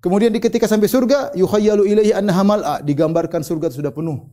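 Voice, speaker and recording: A man's voice: sits high, quick pace, warm tone. A male Indonesian preacher giving a religious lecture, explaining terms and retelling stories with quoted dialogue. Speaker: Islamic preacher.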